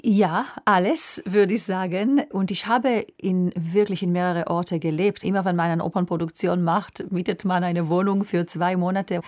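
A woman opera singer from Israel with an Israeli accent, speaking slowly and thoughtfully in a radio interview, sometimes searching for words. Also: fairly low pitch, steady tone, darkish tone. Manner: slow, thoughtful, searching for words in a second language. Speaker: guest, opera soprano.

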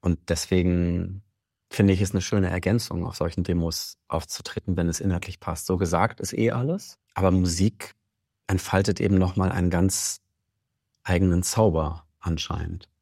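A man with a very deep voice talks as a musician guest in a radio studio. He speaks in a measured, reflective way and often opens with "also". The sound is dry and close. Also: fairly even intonation, gravelly, a little mellow, husky, no room sound. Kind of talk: radio interview.

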